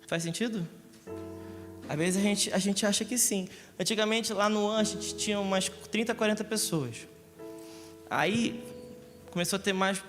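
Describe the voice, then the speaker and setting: High, lively preacher. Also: male voice. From Rio de Janeiro, Brazil. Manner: lively, joking, asks the congregation questions. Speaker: pastor. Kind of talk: live Sunday sermon. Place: church service in a large hall. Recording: echoey church hall with music.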